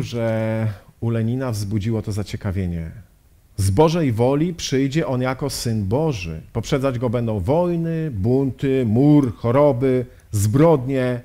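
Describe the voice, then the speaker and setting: A man's voice: medium pitch, warm tone. A male pastor giving a sermon lecture, telling a story solemnly and posing rhetorical questions. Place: lecture at a health exhibition.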